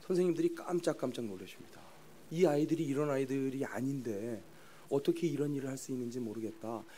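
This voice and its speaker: Audible room echo surrounds a man speaking at a fairly quick pace. His fairly high pitch carries a dark, mellow tone with ordinary pitch variation. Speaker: pastor. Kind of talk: sermon.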